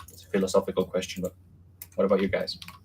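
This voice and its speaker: A man speaks in a somewhat breathy voice. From Georgia (country), Tbilisi. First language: Georgian. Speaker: animator streamer. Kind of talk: casual live-stream chat. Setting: live stream, no webcam.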